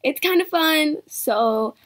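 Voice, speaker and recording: Teenage girl, slightly high voice, casual rambling vlog chat, sick with a cold, close camera mic, bedroom. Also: animated, slow. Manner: rambling, heavy use of "like". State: sick with a cold and sore throat. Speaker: vlogger. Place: bedroom indoors. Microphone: camera mic close in front of speaker.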